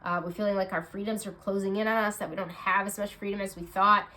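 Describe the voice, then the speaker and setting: A woman's voice: mid-range voice, fast, a little hiss or hum. Stuffed-up, nasal, chatty woman. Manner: bubbly, chatty, many fillers, bursts of excitement. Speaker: intuitive card reader. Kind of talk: casual tarot reading chat.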